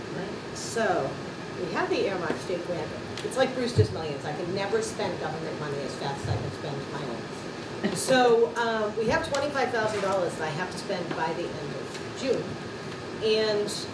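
A woman speaks at a moderate pace with long, frequent pauses. Loud background noise runs underneath. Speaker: senior center director giving report. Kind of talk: meeting report. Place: hall. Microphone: camera far.

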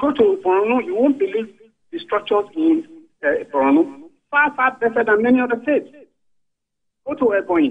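A man speaks with an extremely high pitch and lively intonation. He keeps a moderate pace but leaves long, frequent pauses. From Nigeria. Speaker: caller. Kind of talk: call-in opinion. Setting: phone call. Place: home room. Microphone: video call.

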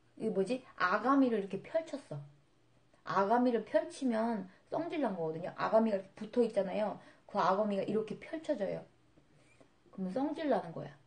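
Her pitch swings very widely. The woman's voice is somewhat breathy. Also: moderate pace. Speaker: live streamer. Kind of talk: casual livestream chat explaining her fish and plant. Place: home room.

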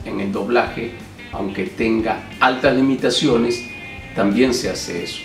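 Clear music sounds in the background. Over it, a man speaks with ordinary pitch variation. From Peru. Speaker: dubbing director and voice actor. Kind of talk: interview answer about his craft, explanatory talk. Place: home room.

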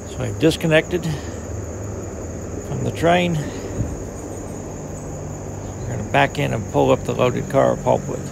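At a fairly slow pace, a man speaks in a very deep, low pitch, the sound dry with no echo over noticeable background noise. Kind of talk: casual hobby commentary. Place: garden. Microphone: camera far.

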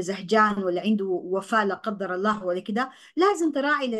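The woman talks at a moderate pace, and the background stays quiet. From Sudan. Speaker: bank manager and customer service trainer; customer service trainer. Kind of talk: lecture. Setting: video call. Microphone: webcam.

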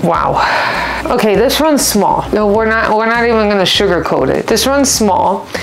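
A woman with an American accent speaks at a moderate pace and fairly high pitch, with ordinary pitch variation, hardly any pauses, and faint music in the background. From South Florida. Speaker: fashion YouTuber; clothing try-on vlogger. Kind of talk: try-on haul review; casual vlog chat. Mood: surprised, animated. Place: home room. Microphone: lapel.

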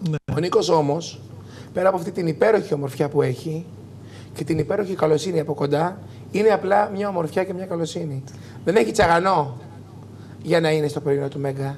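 A man speaks at a fairly quick pace in a fairly high pitch for a man, with ordinary pitch variation, long and frequent pauses, and light background noise. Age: 40s. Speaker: TV talk show guest; talk show guest. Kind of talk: heated TV interview. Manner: animated. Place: studio. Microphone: lapel.

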